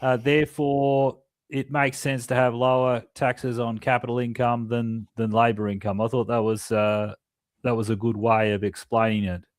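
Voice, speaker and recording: Casting: calm male podcast co-host, mid-pitched, dry close recording. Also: moderate pace, dry recording. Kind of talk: casual podcast chat.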